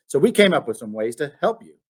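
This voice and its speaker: A man's voice: fairly high pitch, big pitch swings, fast. A man voicing a patient, slightly quirky storybook mother who coaches and encourages. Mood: sympathetic, coaching. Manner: encouraging, instructive. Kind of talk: storybook read-aloud.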